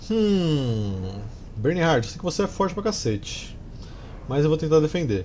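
Fairly slow, with long, frequent pauses, a man's fairly high voice carries a dark, mellow tone and very wide pitch swings over light background noise. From Brazil. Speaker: gaming streamer. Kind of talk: live gameplay commentary. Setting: home studio with headset microphone. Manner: animated. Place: home room.

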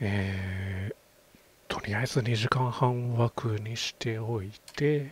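Very slow and relaxed in tone, the speech keeps a fairly even intonation. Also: man, medium pitch for a man. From Kanto, Japan. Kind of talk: casual game livestream chat. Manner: relaxed, musing.

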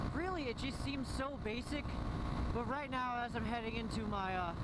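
Loud background noise sits behind speech at a moderate pace. The sound is dry with no echo. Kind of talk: casual vlog chat. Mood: reflective, slightly frustrated. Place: motorbike. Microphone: helmet.

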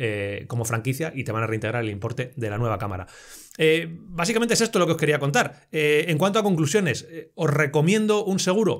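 Very wide pitch swings and vocal fry over a quiet background. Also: man, fairly quick pace. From Spain. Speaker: photography youtuber. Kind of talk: casual vlog monologue. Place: home room.

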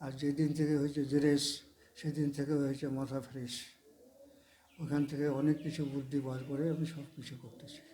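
A somewhat breathy man's voice, dark and mellow in tone, with flat, monotone intonation and big swings in loudness. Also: fairly high pitch for a man. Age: 70s. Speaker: retired primary school headmaster. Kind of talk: interview. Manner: halting.

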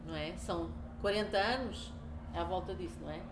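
A woman in a European Portuguese accent speaks at a very slow pace, with audible room echo and noticeable background noise. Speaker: journalist. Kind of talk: interview.

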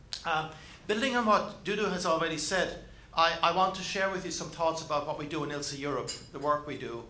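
A man's voice with audible room echo. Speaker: conference presenter. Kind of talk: lecture. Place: hall. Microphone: podium.

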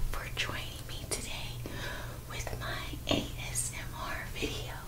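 Loud background noise fills the recording. A woman speaks at a very slow pace. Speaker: ASMR creator. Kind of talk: ASMR whisper talk to camera. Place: bathroom.

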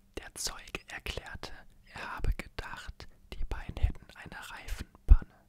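A man is whispering. He goes at a fairly slow pace. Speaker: ASMR true crime narrator. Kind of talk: ASMR true crime narration. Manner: whispered. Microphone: studio mic.

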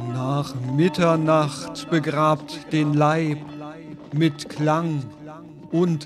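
Music plays in the background as a man speaks at a very slow pace. His voice is fairly high-pitched. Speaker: narrator. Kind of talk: poetry reading.

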